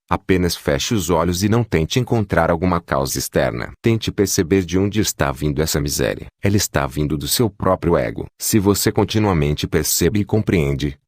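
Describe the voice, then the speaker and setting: A man reading a spiritual discourse aloud in a slow, measured, instructive way. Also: sits low, a little mellow, dry recording, clean studio sound.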